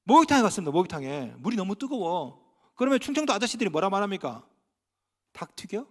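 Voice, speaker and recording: Lively high-voiced pastor preaching in a reverberant church. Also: male voice, rapid-fire. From Gyeongsang Province, Korea. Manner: animated, humorous storytelling with acted-out dialogue. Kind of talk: sermon. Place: church sanctuary.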